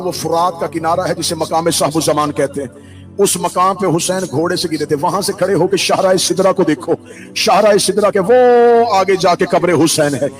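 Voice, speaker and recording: High-voiced man chanting a mourning sermon. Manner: melodic sing-song chanting that swells into loud crying cries. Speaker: preacher reciting a mourning sermon. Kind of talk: Muharram mourning recitation. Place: standing between processional banners. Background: loud music behind the voice.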